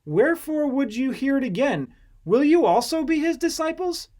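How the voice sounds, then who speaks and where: Male narrator as earnest healed blind man, bold and emphatic, pitched well up, scripture audiobook. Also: sing-song, moderate pace, a little mellow. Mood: indignant, bold.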